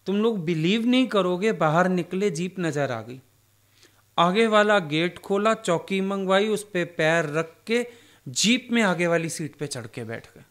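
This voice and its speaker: A man's voice: high-pitched, animated, unhurried, a bit bright. A man giving a devotional satsang talk, telling personal stories in a conversational way. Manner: conversational storytelling, acting out quoted dialogue. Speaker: satsang speaker.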